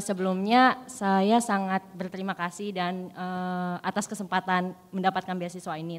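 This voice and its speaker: Polite young woman asking in a hall. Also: mid-range voice. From Indonesia. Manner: polite, slightly hesitant. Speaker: scholarship awardee questioner. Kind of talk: formal question.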